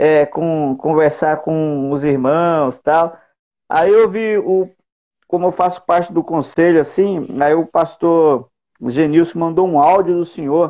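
Here a man talks at a very slow pace. His voice has a high pitch. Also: fairly even intonation, quiet background. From Vale do Paraíba, São Paulo state, Brazil; São Paulo state, Brazil. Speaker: church association director and youth leader; interviewer, youth ministry host. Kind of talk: casual live-stream interview. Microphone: video call.

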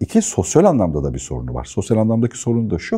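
A man's dark, mellow voice with vocal fry, very wide pitch swings, and a fairly quick pace against a quiet background. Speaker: podcast co-host. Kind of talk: casual chat. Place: studio. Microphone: lapel.

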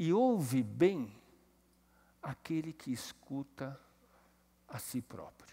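A man's fairly high-pitched voice, dark and mellow in tone, at a very slow pace. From Brazil, São Paulo. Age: 50s. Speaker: business executive. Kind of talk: motivational talk. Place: stage. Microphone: headset.

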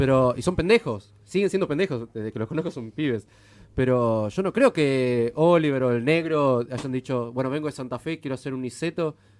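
A man has an unremarkable speaking voice at medium pitch. His pitch variation is ordinary and his pace moderate. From Quilmes, Greater Buenos Aires, Argentina; Buenos Aires. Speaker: online radio host. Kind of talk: radio interview. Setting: radio studio. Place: studio.

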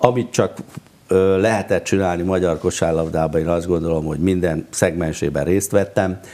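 A man's very deep, low voice with a dark, mellow tone, fairly even intonation and a moderate pace. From Hungary, Zala county (Zalaegerszeg); Hungary. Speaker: basketball coach. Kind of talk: interview. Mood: reflective, calm. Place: studio.

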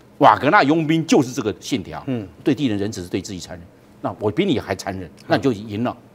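Talking very fast with a Taiwanese accent, a man uses a medium pitch with very wide pitch swings and big swings in loudness. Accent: Taiwanese Mandarin. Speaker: retired military general; guest. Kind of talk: political talk show interview. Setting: studio. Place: studio. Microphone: lapel.

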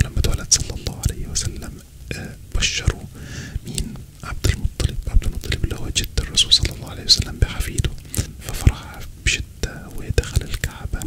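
A soft-spoken man whispering at a moderate pace. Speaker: ASMR storyteller. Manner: soft ASMR whisper close to mic. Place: home room. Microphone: studio mic.

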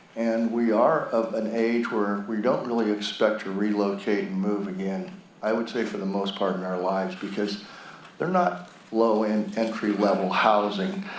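A man's fairly low, fairly even voice with audible room echo and noticeable background noise. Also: moderate pace. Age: 60s. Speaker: public commenter. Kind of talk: public comment at meeting. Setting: council chambers. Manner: halting.

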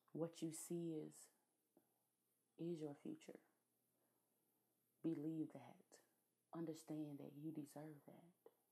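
A woman speaks very slowly, with long, frequent pauses. Her very deep, low voice has a dark, mellow tone and a flat, monotone delivery. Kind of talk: motivational talk. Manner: slow, reflective.

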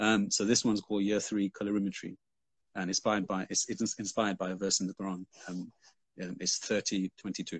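With a Birmingham accent, the flat, monotone speech runs at a fairly quick pace, dry with no echo against a quiet background. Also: man, fairly low pitch for a man. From Birmingham, England. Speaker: poet and visual artist; guest. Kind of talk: spoken word poetry reading. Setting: Instagram live video call. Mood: relaxed, reflective. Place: home room.

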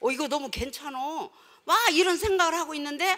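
Over a quiet background, a woman raises and projects her voice, bright and sharp in tone, with extremely high pitch and lively intonation. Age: 70s. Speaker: network marketing distributor; company seller giving promotion speech. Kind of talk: award acceptance speech. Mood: honored, warm, storytelling. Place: hall. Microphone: handheld.

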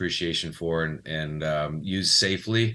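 A man speaks with a very deep, low pitch and a bright, sharp tone. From upstate New York, near Albany; upstate New York. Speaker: actor. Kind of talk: casual interview. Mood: relaxed, good-humored. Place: home room. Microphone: webcam.

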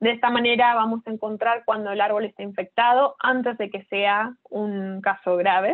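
A woman with an Argentine accent speaks at a moderate pace in a fairly high pitch, with fairly even intonation, hardly any pauses, and a quiet background. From Argentina. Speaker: scientist presenting on tree pests; presenter. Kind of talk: webinar presentation. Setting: online webinar. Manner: hesitant fillers (am, eh). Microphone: webcam.

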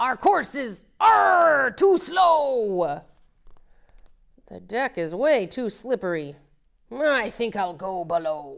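A woman's put-on character voice, fairly high with big pitch swings and vocal fry, at a slow pace in a very clean recording with a silent background

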